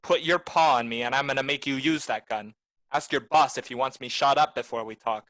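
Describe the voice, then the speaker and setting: A man playing a hard-boiled private detective in a noir radio play, terse, wry and deadpan. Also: mid-range voice, fairly quick, no echo, close to an everyday voice, poor audio. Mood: tough, defiant.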